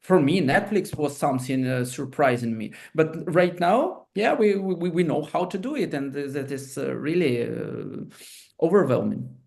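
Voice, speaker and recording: A man's voice: fairly high pitch, expressive, normal speed, creaky, a little mellow. Hesitant man, non-native English speaker. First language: not English. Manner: hesitant, many fillers and restarts. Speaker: panelist. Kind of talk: webinar panel discussion.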